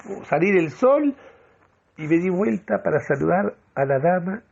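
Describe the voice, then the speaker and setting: A man's voice: a little high, vocal fry, darkish tone, lo-fi sound. A man performing a comic first-person radio monologue in a theatrical, mock-solemn manner. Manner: dramatic, mock-solemn delivery.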